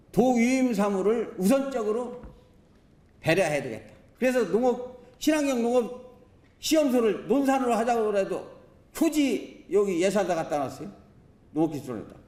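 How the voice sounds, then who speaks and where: A man's voice: high-pitched, mellow. Emphatic man in echoey council chamber. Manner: emphatic, rhetorical questions, folksy sayings. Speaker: provincial council member. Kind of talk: questioning session speech. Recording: roomy chamber echo.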